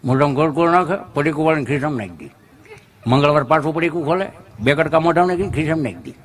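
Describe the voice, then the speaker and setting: A man's voice: on the high side, expressive, rapid-fire. A man doing folksy stand-up storytelling in a Kathiawadi Gujarati accent, sing-song and full of dialect slang. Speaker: stand-up comedian.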